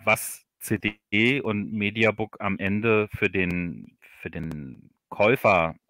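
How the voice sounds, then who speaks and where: A man in a casual livestream interview, explaining haltingly as the guest author and often repeating his words. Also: on the low side, sharp tone, no echo. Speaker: guest, audio drama author.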